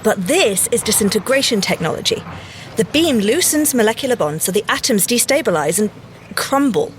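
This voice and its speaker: Woman playing a high-voiced nerdy female scientist agent. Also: expressive, moderate pace, a little hiss or hum, lightly acted. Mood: precise, dry. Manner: precise, polite, easily flustered. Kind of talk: audio drama dialogue.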